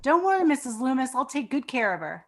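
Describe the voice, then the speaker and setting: A woman's voice: high-pitched, very animated, quick pace, a little hiss or hum. A woman playing a polite, hesitant, sincere teenage boy in a dramatic table read. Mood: reassuring. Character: earnest, shy, polite teenage boy suitor.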